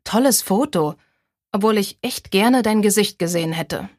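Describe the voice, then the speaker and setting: A woman's voice: medium pitch, moderate pace, darkish tone, no echo, clean studio sound, close to an everyday voice. A woman reading a teasing young man. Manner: teasing, playful. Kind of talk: audiobook character voice.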